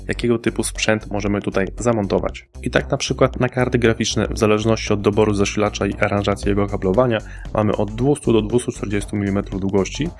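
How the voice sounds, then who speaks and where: A man reading a scripted product review voice-over in a precise, measured technical way, over soft music. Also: on the low side, gravelly. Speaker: hardware reviewer.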